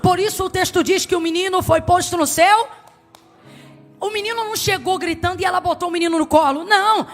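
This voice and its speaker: A woman preaches with a very high voice, emphatic and dramatic, dropping soft and then rising loud. She calls on the congregation to answer her, with faint music underneath. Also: brisk. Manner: asks the congregation to respond. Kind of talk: sermon.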